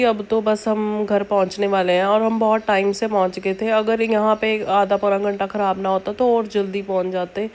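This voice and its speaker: Casting: young woman, medium pitch, flat delivery, chatty explanatory vlog narration. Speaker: vlogger. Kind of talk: conversational vlog voice-over.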